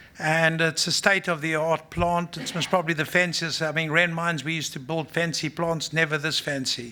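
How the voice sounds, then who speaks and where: A man talks in a South African accent at a moderate pace. His tone is bright and sharp, with a fairly high pitch. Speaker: mining company executive. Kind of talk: investor presentation. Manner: halting, many fillers and restarts.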